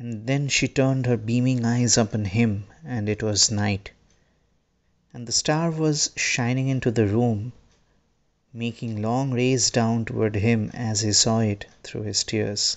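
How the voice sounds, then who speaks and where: A man talks at a fairly slow pace in a medium pitch with fairly even intonation. He has an unremarkable speaking voice. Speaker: audiobook narrator. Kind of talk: dramatic narration of a tender, sorrowful Victorian tale of death and angels. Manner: slow, hushed and reverent storytelling; gentle, emotive reading that lingers on grief and joy.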